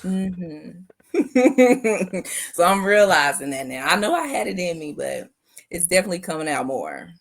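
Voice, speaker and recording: A woman's voice: lowish voice, sing-song, unhurried, vocal fry, long pauses. A young adult woman, a veteran and business owner, giving thoughtful interview answers and often repeating her phrases.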